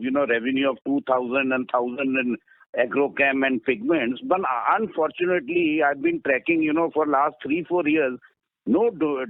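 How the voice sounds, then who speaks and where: An Indian man calling in as an investor, putting a blunt question in a halting way on a conference call. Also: medium pitch, creaky, dry recording. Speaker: investor caller asking a question. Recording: narrow, dry phone line.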